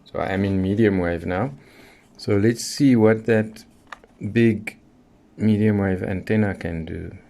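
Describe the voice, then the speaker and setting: Man, low voice, casual hands-on demo, unhurried, thinking aloud, unscripted. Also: creaky, dark tone. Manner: unhurried, thinking aloud while handling the radio. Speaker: radio hobbyist reviewer. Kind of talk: casual unscripted product demonstration.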